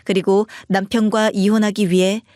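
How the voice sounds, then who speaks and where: Calm woman narrating a story. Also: mid-range voice, moderate pace, no echo, clean studio sound. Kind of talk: first-person story narration.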